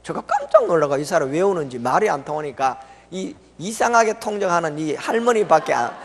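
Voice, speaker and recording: A middle-aged man preaching a revival sermon. He tells the story with laughter and swings from loud exclamations to hushed tones. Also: a little high, huge pitch swings, fairly quick, creaky, slight background noise. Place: church sanctuary. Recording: reverberant church sanctuary.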